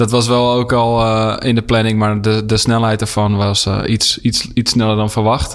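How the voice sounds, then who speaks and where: A man talks at a medium pitch with hardly any pauses. His intonation is monotone and flat, and his loudness stays very even. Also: moderate pace. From Netherlands, IJmuiden. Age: 30s. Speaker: guesthouse owner. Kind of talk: interview. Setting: on location at guesthouse.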